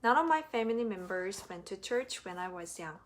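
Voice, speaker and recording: A woman's voice: mid-range voice, lively intonation, a little fast. A woman in her thirties from South Korea, telling her personal faith testimony in an earnest, heartfelt way. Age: 30s. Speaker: vlogger.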